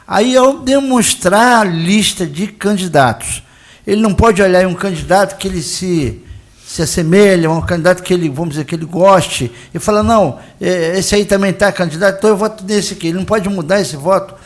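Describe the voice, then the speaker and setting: A man's voice: sits high, fairly quick. A man with a Brazilian Portuguese accent, an interviewer asking long, hypothetical questions.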